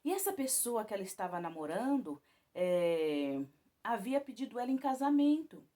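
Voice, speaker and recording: A woman shares her personal Christian testimony with viewers, very animated and at a moderate pace. She rambles, often restarting sentences and adding tag questions, and her voice shoots up high and loud whenever she describes moments of alarm.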